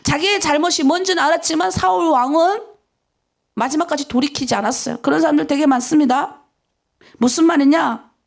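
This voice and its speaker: North korean lady pastor, high gravelly voice, emphatic dawn sermon, pleads prayers out loud. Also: brisk. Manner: emphatic preaching, acting out tearful prayers.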